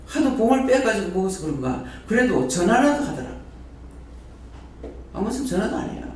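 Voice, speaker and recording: A high-voiced man preaches, his pitch leaping around as he hammers the congregation with the same rhetorical questions. The sound bounces around a very echoey hall. He stands well back from the mic, with faint noise underneath. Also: big pitch swings, brisk, distant mic. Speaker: prayer house director preaching. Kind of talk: sermon. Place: church hall.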